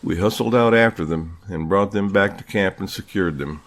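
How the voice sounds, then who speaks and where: A man playing a hunter who recounts his trip in measured, scripted first-person narration, with a gravelly voice. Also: deep voice, fairly bright tone. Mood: reflective. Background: music.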